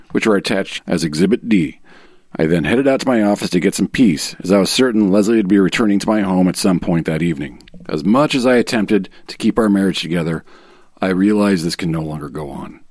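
A man voicing an aggrieved husband in a dramatic reading of a sworn legal statement, measured, formal and self-righteous. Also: sits low, animated, darkish tone, no room sound, studio quality.

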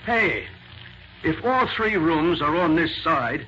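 Brusque, suspicious police sergeant, fairly high voice, grumbles and snaps. Vintage radio crime drama, dull sound. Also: male voice, sing-song, takes it slowly, a little hiss or hum. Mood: brisk, probing. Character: gruff, suspicious, impatient male police homicide sergeant. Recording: dull lo-fi 1940s radio recording.

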